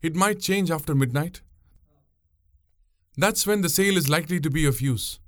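A man voicing a sharp-tongued young woman who steers a boat, teasing and bossy in a raised voice. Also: a little high, normal speed, no echo, studio quality, pitched above the performer's own voice, lightly acted.

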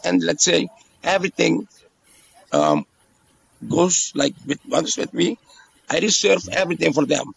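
A man's voice: on the high side, huge pitch swings, unhurried, vocal fry, pauses often, slight background noise. A man with an Aruban accent talking casually as a tour guide, explaining things conversationally and often repeating phrases or checking in with a "yes?". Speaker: tour guide being interviewed.

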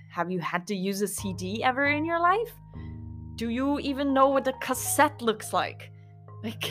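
A woman's voice: mid-range voice, fairly bright tone. A woman in her thirties from Kosovo with an American-influenced English accent, hosting a podcast in a rambling, chatty monologue full of asides to listeners. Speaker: podcast host. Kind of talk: casual reflective monologue.

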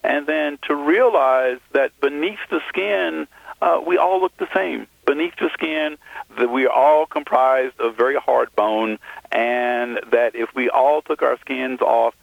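Author guest, male, gravelly voice, phoned in over a thin line, thoughtful and halting. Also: medium pitch, no echo. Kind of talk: phone interview. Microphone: telephone. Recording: tinny phone line, dry.

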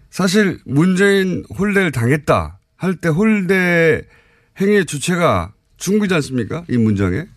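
A man's voice: on the high side, no echo, studio quality. A man hosting a live radio current-affairs show, talking in an informal, opinionated way with rhetorical questions.

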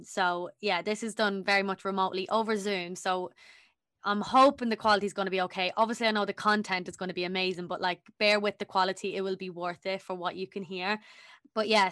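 A woman's voice: medium pitch, steady tone, a little fast, a bit bright. A woman of about thirty, hosting a podcast in a casual, rambling, enthusiastic way. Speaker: podcast host.

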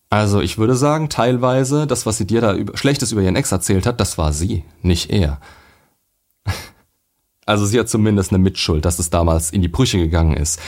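Blunt low-voiced man lecturing. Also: a little mellow. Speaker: dating coach reading and commenting on a viewer's letter. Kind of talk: reading a letter aloud with blunt commentary.

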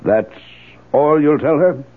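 An actor playing a proud but frightened older father in a 1970s radio drama, evasive, halting and testy. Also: fairly high pitch. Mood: resigned. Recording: rough, muffled old radio broadcast.

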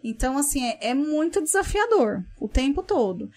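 A woman's voice: sits high, sing-song, moderate pace, darkish tone. A young woman with a Brazilian Portuguese accent, a school principal speaking earnestly and outspokenly as an interview guest, often restarting her sentences. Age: young adult.

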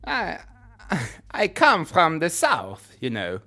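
A gun-loving Texan who drawls and brags in halting English, put on by a man. His pace is slow and lazy, with fillers, for a comic sketch. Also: fairly high pitch, wildly swooping pitch. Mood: boastful.

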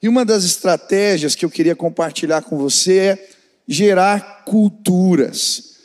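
A man's voice: sits high, measured pace, a little mellow. A man preaching a conversational sermon as a pastor, telling family anecdotes. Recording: church hall reverb.

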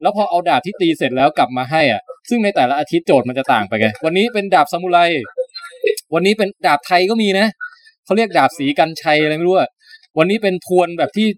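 A podcast host chatting casually, animated storytelling with crude slang. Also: male voice, a little high, fast talker, no room sound, clean studio sound. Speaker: podcast host reviewing shows. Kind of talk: casual chat.

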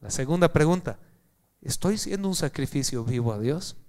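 Male preacher, high clear voice, animated sermon delivery with jokes and loud-to-soft swings. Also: normal speed.

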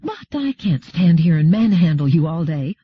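Man voicing a prim, high-pitched haughty lady. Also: very animated, moderate pace, breathy edge. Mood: polite, composed. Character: haughty, curious aristocratic woman from another world. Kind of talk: audiobook character dialogue. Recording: roomy, dull lo-fi audio.

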